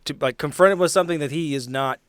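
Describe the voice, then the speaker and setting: Guy on a tabletop rpg podcast, thinking out loud, lots of rephrasing, dry sound. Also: a little high, fast, clean tone, dry recording. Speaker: podcast tabletop role-player. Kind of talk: casual improvised role-play narration.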